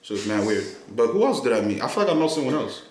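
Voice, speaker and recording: Man, casual podcast chat, fast and lively, roomy studio echo. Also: medium pitch. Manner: animated, swearing, acts out quotes in a raised voice. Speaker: podcast guest.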